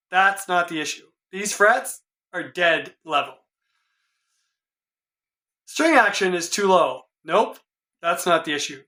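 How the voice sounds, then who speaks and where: A casual workshop vlog features a middle-aged guitar tech thinking out loud, exasperated and puzzled. His voice is hoarse yet high-pitched, with a bright, forceful edge. Audio comes from a camera a few feet from him.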